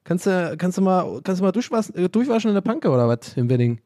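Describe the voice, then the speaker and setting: A man's voice: sits high, big pitch swings, quick pace, warm tone, no echo, studio quality. A man putting on a mouthy Berliner tough guy. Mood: brash teasing. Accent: East Berlin. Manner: slangy, mouthy, teasing. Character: brash gruff male Berliner local.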